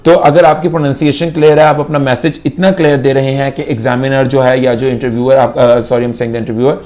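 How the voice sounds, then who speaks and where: Pakistani guy explaining ielts stuff, switches urdu and english a lot, repeats himself to drive points home, mid pitch. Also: flat delivery, a little fast, a little mellow. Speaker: IELTS instructor. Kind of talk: instructional talk to camera.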